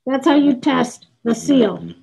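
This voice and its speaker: A woman speaking through a respirator mask, her voice muffled and hollow as she calmly explains each step of a safety demonstration. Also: high-pitched, slow pace, vocal fry, breathy edge. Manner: calm, instructive, gives short commands. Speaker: costume dye instructor.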